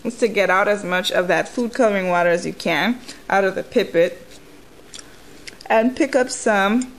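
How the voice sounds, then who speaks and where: This is a casual nail tutorial from a woman who chews gum while talking her way through each step. Her voice sits in the mid range, and she speaks at a normal speed.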